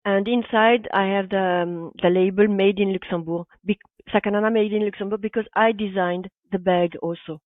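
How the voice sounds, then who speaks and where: A woman's voice: mid-range voice, fairly even intonation, normal speed, few pauses, dry recording. A woman guest on a podcast, answering enthusiastically in short, emphatic phrases over a remote call. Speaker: guest, artist and bag designer. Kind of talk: interview answers. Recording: tinny dry call audio.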